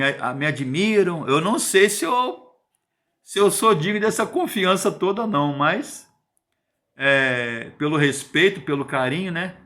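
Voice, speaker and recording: Bright-voiced man in his fifties. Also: fairly high pitch. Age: 50s. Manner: emphatic, repetitive, digressive, tag questions. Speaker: Bible teacher. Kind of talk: informal Bible teaching.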